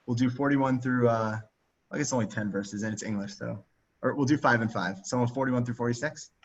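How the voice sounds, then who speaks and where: A relaxed man guides a study group on a video call, mid-pitched and unhurried, full of ums and restarts. The audio is dull and lo-fi, as from a laptop mic. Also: breathy edge. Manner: relaxed, with many fillers and restarts. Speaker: teacher leading a text study.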